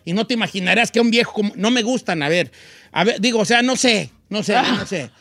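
A man's voice: high voice, animated, fast, pushed and bright, dry recording, clean studio sound, faint music behind. A man with a Mexican Spanish accent hosting a casual group chat, teasing and slangy, with frequent laughter.

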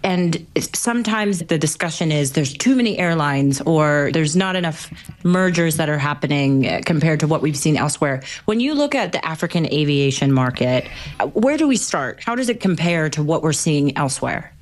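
A woman's voice: deep voice, lively intonation, moderate pace. A woman hosting a news interview, asking questions in an engaged conversational way. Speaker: host.

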